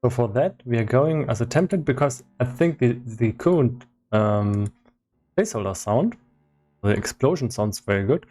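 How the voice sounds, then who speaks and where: A man doing casual livestream commentary as he works on game development, thinking aloud in a halting way. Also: medium pitch, expressive, warm tone, soft background music. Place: indoors in his own room.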